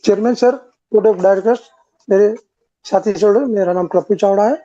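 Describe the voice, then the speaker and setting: A man's voice: high-pitched, measured pace, warm tone. Man heard over a dull remote call line. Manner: earnest, pleading for changes. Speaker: shareholder. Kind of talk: shareholder remarks at an online meeting.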